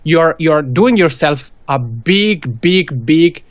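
Here a man in his thirties from Switzerland, whose first language isn't English, shares sincere advice as a guest on a video call interview, his Swiss accent clear. His pitch is fairly high, his delivery expressive and slow. The setting is a small room, recorded through a pop-filtered studio mic, with dull, dry call audio.

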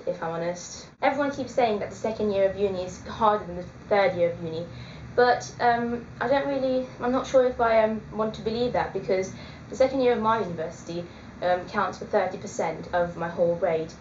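Sitting in a small indoor room, a vlogger in her twenties talks casually to her webcam, pausing with lots of ums. She has a medium-pitched, darkish voice, and the dull lo-fi webcam audio is echoey with slight background noise.

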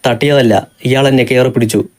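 A man's voice: mid-range voice, fairly even intonation, fairly quick, close to an everyday voice. A man voicing a frightened young woman who speaks in a trembling voice. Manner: trembling, pleading.

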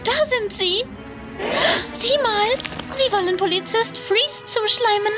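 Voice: very high voice, slow. A performer voicing a plucky, earnest little girl in a children's cartoon, exclamatory in manner. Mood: urgent. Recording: loud music behind.

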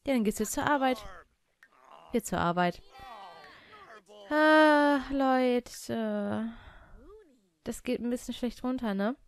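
A young woman with a fairly high voice gives casual let's-play commentary. She talks in a chatty stream, ordering her game characters about and throwing in quick exclamations. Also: smooth. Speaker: let's player.

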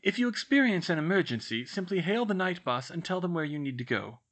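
A man voicing a stern, formal older woman professor who speaks in a crisp, clipped, disapproving way. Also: high-pitched, lively intonation, fairly quick, fairly bright tone, pitched above the performer's own voice.

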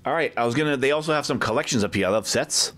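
A man's voice: mid-range voice, very fast, fairly bright tone. A man giving a casual shop tour as a vlog host, chatty and off the cuff, often tacking questions onto his remarks. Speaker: video host and comic collector. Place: inside a packed medium-sized shop. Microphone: handheld camera held by the speaker.

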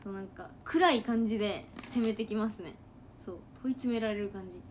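A woman's voice: medium pitch, fairly quick, slight background noise. A woman with a Kansai accent chatting casually on a late-night livestream, reading comments in a loose, giggly, rambling way and sounding sleepy. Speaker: idol trainee livestreaming.

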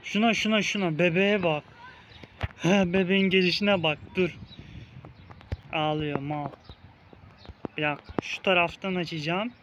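Bright-voiced young man, playful game commentary. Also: high voice, steady tone, a little slow, long pauses, muffled recording, slight background noise. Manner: playful, teasing the game baby with mock insults. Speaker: gaming video host. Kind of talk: casual let's-play commentary. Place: outdoors in a park.

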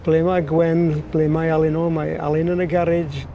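Older scouse guy outdoors, gravelly mellow voice, a bit of street noise. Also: a little high, flat delivery, moderate pace. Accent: Liverpool. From Liverpool. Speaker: interviewee, local artist. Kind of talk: documentary interview.

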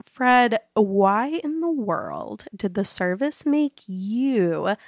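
A woman's voice: mid-range voice, very animated, very slow, gravelly, dry recording, exaggerated voice. A woman playing a weary but determined spaceship captain, dry and exasperated, in a comedic audio drama.

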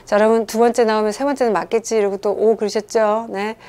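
A woman teaching an English grammar lesson online, lively and coaxing, asking her students questions and reading English examples slowly. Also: medium pitch.

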